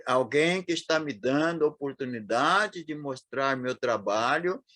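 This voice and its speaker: A man in his eighties with a São Paulo accent, reminiscing as an interview guest, talking haltingly with frequent restarts and fillers. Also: mid-range voice, expressive, sharp tone, no echo. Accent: Paulistano Brazilian Portuguese. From São Paulo, Brazil. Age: 80s.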